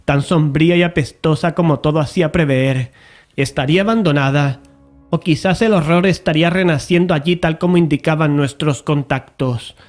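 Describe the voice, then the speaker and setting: Man acting as investigator narrator, fairly high male voice, ominous, literary, horror audio drama. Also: moderate pace, faint music behind, lightly acted. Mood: grim foreboding.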